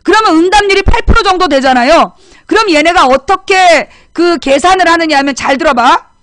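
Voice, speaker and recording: High-voiced woman ranting bluntly. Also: expressive, brisk, fairly bright tone, no room sound. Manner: blunt, scolding, repeats points for emphasis. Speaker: political talk show host. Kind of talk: casual political commentary chat.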